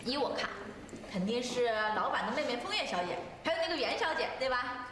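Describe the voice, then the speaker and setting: Gossipy young coworker, lively swoops, roomy sound. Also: female voice, a little high, fairly quick, background noise. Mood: teasing. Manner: chatty and insinuating. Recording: roomy drama recording, faint music.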